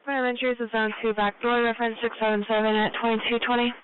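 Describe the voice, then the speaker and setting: A woman's voice: a little high, little pitch movement, fast talker, clear, resonant tone. A woman working as a police radio dispatcher, reading out calls in clipped, procedural, matter-of-fact phrases over the radio. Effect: police radio transmission. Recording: tinny phone-like police radio audio.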